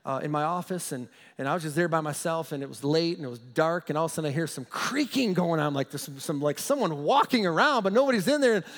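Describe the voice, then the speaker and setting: Pastor preaching: man, high voice, story-driven and emphatic, chuckles, echoey hall. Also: lively intonation, quick pace, few pauses. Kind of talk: sermon.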